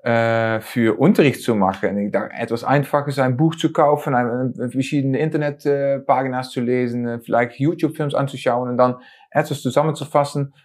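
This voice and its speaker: A man in his forties from the Netherlands speaking German with a Dutch accent, pausing often with fillers and small grammar slips as an interview guest. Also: medium pitch, fairly even intonation, darkish tone. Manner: hesitant with many fillers and non-native grammar slips. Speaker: osteopath and lecturer. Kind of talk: conversational interview.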